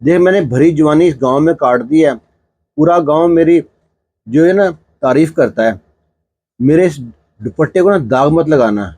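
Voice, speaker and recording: A man's voice: a little high, pauses often, dark tone, close to an everyday voice. A man voicing a worried village aunt who scolds and frets about her family's honor in a told story. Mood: scolding. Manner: anxious, scolding.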